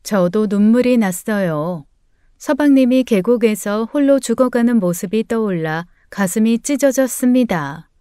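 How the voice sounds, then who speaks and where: A woman reading a first-person story aloud, her delivery dramatic and emotional. Her voice is fairly high, mellow and smooth, recorded close and dry. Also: lively intonation, a little slow, dry recording. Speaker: story narrator.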